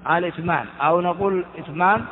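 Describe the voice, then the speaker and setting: A man teaching a grammar lesson slowly and deliberately, putting questions to his class and answering them himself. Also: high-pitched, fairly even intonation. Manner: slow and deliberate, repeating key terms. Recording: tinny phone-like audio in a reverberant hall.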